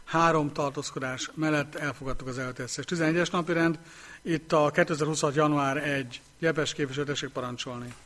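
Male council chair, slightly high voice, brisk procedural delivery. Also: steady tone, fairly bright tone. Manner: brisk procedural, repetitive vote announcements. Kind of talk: formal council meeting chairing.

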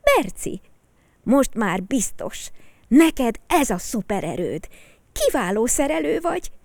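A woman voicing an enthusiastic kindergarten boy in a storybook, gushing and high. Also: dry recording. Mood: excited. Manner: excited, gushing child.

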